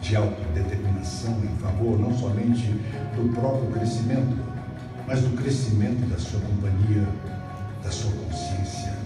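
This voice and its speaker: Guy, middle-aged, low voice, slow emphatic pep talk, played in a big echoey hall with music under it. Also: far from the mic. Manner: measured, emphatic, with dramatic pauses. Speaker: motivational speaker. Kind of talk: motivational opening speech. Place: video on a screen in a dark event hall. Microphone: phone filming the screen from the audience.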